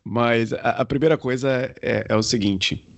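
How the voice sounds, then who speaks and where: A man coaching on communication as a podcast guest, explaining in a deliberate way and demonstrating changes in his own pitch and pace. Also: fairly even intonation, gravelly.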